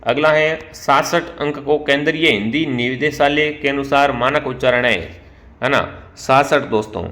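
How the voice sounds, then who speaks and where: A male online teacher with a Rajasthani Hindi accent runs a quick-fire spelling quiz. His voice is bright and forward, and it sits at an ordinary middle pitch. He keeps putting questions to the viewers and then answers them himself. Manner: keeps calling out to the viewers as friends. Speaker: online exam-prep teacher.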